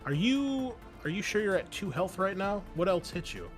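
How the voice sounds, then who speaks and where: A man's voice: high voice, very animated, moderate pace. A man acting as game master, talking players through rules and dice results in a casual way. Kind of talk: running a tabletop game, casual rules talk. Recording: background music under the voice. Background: music.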